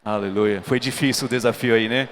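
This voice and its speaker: An earnest male preacher gives a testimony at a church congress, preaching emphatically to the congregation in a large, reverberant church hall. His voice sits at medium pitch, with a steady tone and a brisk pace.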